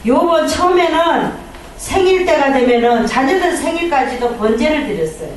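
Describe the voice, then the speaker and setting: A woman pastor preaching a sermon, animated, acting out quoted prayers and complaints. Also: sits high, moderate pace, a little hiss or hum. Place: church sanctuary. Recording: echoey hall from far off.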